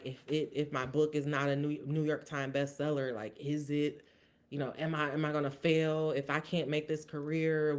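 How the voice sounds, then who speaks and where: A woman hosting a casual solo podcast recap, earnest and motivational, thinking aloud with many restarts. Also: sits low. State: briefly emotional. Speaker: podcast host.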